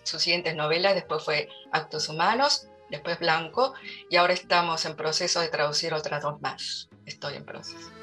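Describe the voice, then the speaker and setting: This is a middle-aged literary translator with an Argentine Spanish accent answering questions in an interview at a public talk. Her fairly low pitch has a pushed, bright edge, and she stumbles through many fillers and restarts.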